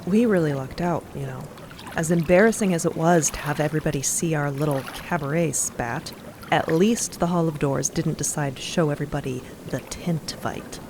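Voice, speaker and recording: An actress playing a fond, reassuring wife in an audio drama, speaking gently and conversationally. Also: female voice, low-pitched, normal speed, noisy background. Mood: playful. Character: Mickey, fond, reassuring woman, adventurous spouse. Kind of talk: audio drama acting and narration.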